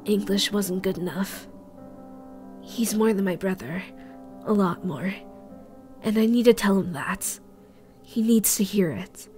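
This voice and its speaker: A woman's voice: mid-range voice, unhurried, pauses often, a little mellow, soft background music, natural voice. A woman voicing a young captive boy in an audio drama, terse, defiant and fiercely loyal. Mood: guarded, earnest.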